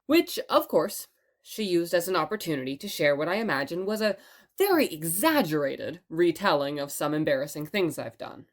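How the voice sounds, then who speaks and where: A woman playing a chatty, playful radio host in an audio drama, telling stories in a conversational, wry and expressive way. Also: sits low, normal speed. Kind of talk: audio drama radio broadcast and scripted narration.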